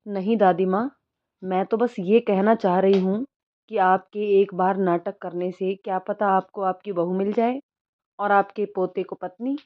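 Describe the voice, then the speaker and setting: A woman's voice: mid-range voice, fairly even intonation, unhurried, muffled recording, lightly acted. A woman voicing a clever young woman who politely persuades an old grandmother into a plan, in a storybook reading. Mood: persuasive.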